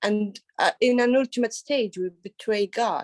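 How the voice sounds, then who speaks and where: A woman with an Italian accent is heard in a dry, close sound with no echo. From Italy. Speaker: participant in a spiritual discussion group. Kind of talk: group discussion. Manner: halting, many fillers.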